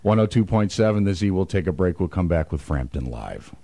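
American guy doing rock radio dj breaks, low voice, music behind him. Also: big pitch swings, fairly quick, very noisy. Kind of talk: rock radio DJ patter between songs. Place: radio studio.

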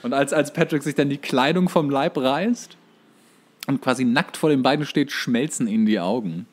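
A man's voice: mid-range voice, normal speed. A man co-hosting a podcast, explaining and recounting in a casual conversational style. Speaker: podcast co-host. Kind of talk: casual chat, explaining cartoon episodes.

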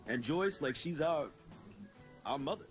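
An actor playing a friendly, gossipy middle-aged police officer in a video game. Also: male voice, on the high side, animated, a little slow, faint music behind. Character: chatty middle-aged small-town cop.

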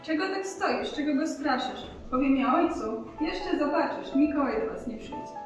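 A woman's voice: high-pitched, lively intonation, moderate pace. A young woman playing a scolding mother. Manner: scolding, complaining rhymed verse. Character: nagging, worn-out mother. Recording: echoey hall from far off, music.

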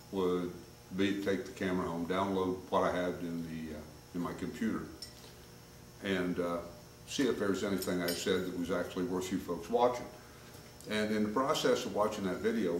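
An older man with a very deep voice walks through a woodworking repair in a relaxed, rambling way, full of "uh"s and asides. He sounds a few steps from the camcorder mic, in a boomy, roomy workshop with steady noise behind him. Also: distant mic. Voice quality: folksy, rambling with many fillers. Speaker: woodworking instructor. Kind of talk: casual workshop demonstration. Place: home workshop, indoors. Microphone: camcorder mic at a distance.

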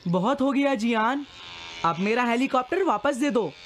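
A woman's voice: on the high side, lively intonation, normal speed, faint music behind, lightly acted. A woman voicing a whiny, boastful little rich boy with a nagging manner in a cartoon dub. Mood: worried, nagging.

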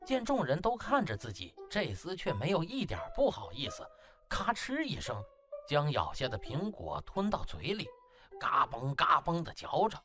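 A man's voice: on the high side, wildly swooping pitch, normal speed, bright, forceful tone, faint music behind. A man narrating a comic novel as an audiobook in a theatrical, dramatic storytelling manner.

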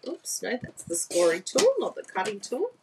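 A papercraft demonstrator chats her way through a live craft session from a desk in an indoor craft room, with frequent laughter, exclamations, and questions to viewers about whether they agree. She has a mid-range voice with enormous pitch swings and a moderate pace, and the recording is very noisy.

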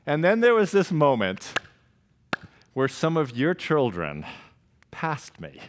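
A man in his forties preaching a sermon as pastor, telling stories with lively gestures and acting out his own reactions. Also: a little high, slow, a little hiss or hum. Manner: animated storytelling, gestures widely, acts out his own reactions. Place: church stage with purple backlit wall.

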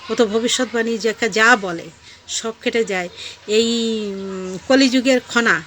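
A woman's voice: fairly high pitch, a little slow, slight background noise. Scolding woman. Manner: sharp, preachy rebuke that mixes in devotional chants. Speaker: online vlogger. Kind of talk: scolding video monologue.

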